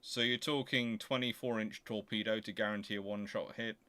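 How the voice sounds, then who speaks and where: A man hosting an informal question-and-answer show, explaining things in a halting, self-correcting way. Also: on the low side, steady tone, pushed and bright, smooth, no room sound. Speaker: host of a naval history Q&A show.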